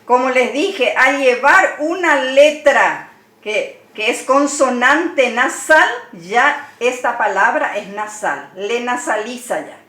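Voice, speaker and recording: A woman's voice: on the high side, lively intonation, slow pace, fairly bright tone, roomy sound. A woman teaching a language lesson, patiently spelling words out letter by letter and explaining each one.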